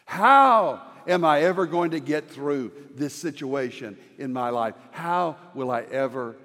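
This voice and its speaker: Slow, earnest older male pastor preaching. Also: a little high, animated, fairly bright tone, long reverb tail. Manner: slow, earnest preaching with emphatic repeated words. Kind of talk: devotional sermon.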